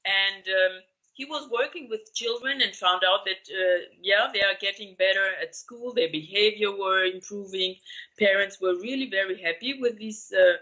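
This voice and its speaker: Over a video call, a Colombian woman in her sixties explains things in a conversational interview, searching for words with many fillers. Her mid-range voice is sharp and moderately paced, though the recording is muffled.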